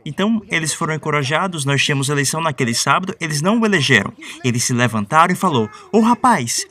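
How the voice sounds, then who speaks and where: A man preaching a sermon, telling a story in a lively way and giving voice to the people in it. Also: medium pitch, recorded from a distance. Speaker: pastor.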